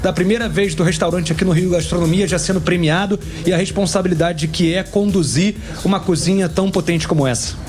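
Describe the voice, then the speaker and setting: Man, radio host, high voice, very fast talk, upbeat, faint music. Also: fairly even intonation, a little mellow. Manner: upbeat, quick, joking. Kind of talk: lively radio interview.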